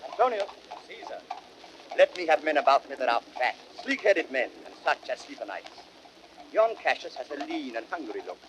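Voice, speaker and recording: An actor playing a proud, suspicious, imperious Roman ruler with commanding, pompous Shakespearean delivery. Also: male voice, a little high, sing-song, normal speed. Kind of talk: classical Shakespearean radio drama acting. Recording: noisy vintage spoken-word drama record.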